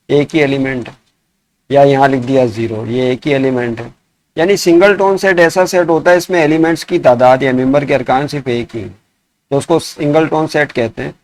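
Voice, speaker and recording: A man teaching a math lesson. He asks his students questions and answers them himself, and he slows down to dictate each problem word by word. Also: mid-range voice, darkish tone. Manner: mixes in English math terms. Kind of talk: classroom lesson explaining sets.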